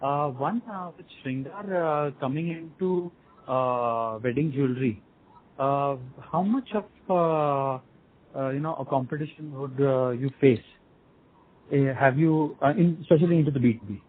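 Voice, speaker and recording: Over a narrow telephone line, a man with a medium-pitched voice puts questions to company management. He speaks informally and haltingly, assembling each question piece by piece. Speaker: investor asking questions on earnings call. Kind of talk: informal earnings call questioning. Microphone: phone call. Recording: muffled narrowband phone line.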